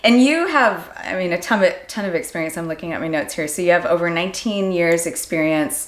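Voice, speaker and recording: A woman hosting a casual interview, upbeat and quick to offer encouraging backchannels. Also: fairly low pitch. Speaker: podcast host. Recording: roomy echo.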